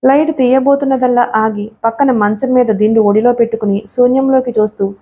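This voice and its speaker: A woman reads a novel aloud in a steady, even storytelling manner. Her voice sits fairly high, with a soft, mellow tone. The delivery is scripted audiobook narration. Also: a little fast.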